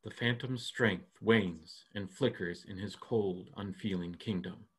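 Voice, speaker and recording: A man reading stage directions as scripted narration, measured and plain, for a staged reading. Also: lowish voice, a bit bright, slightly rough.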